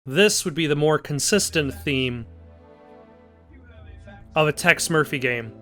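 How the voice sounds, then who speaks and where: A man's voice: fairly high pitch, slow, sharp tone. A man hosting a let's play, giving casual, rambling gameplay commentary with dry jokes over music. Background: game music.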